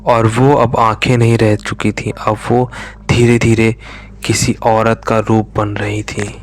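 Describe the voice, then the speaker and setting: A man slowly telling a true horror story, his voice sinking to a whisper at tense moments. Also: fairly low pitch, level tone. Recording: faint music behind.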